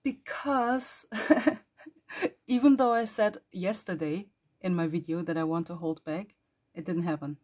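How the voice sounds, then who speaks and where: Hoarse woman chatting casually. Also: on the low side, a little mellow. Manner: rambling, chatty with small laughs and throat clearing. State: hoarse, losing her voice. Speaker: journal vlogger. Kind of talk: casual journal flip-through chat.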